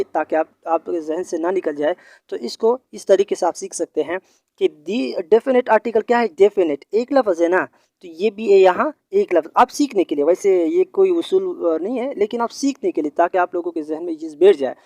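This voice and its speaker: A man teaching English grammar in a video lesson, explaining patiently, repeating points and pausing on hesitations. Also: high voice, a little mellow, no echo.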